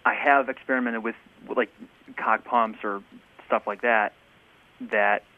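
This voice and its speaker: A man's voice: lowish voice, steady tone, unhurried. A man calling in to a talk show, an airline pilot who talks casually and hesitantly, with many ums and restarts, over a telephone. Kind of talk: casual call-in chat. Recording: tinny phone line.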